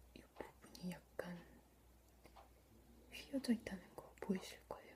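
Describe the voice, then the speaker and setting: A woman whispers at a very slow pace. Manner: soft-spoken.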